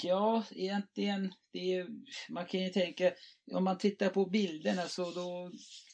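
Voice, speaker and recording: This man has a Turkish accent and a high pitch. He talks fairly slowly in a flat monotone. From Turkey, Istanbul. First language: Turkish (speaking Swedish). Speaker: landscape photographer. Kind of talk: interview.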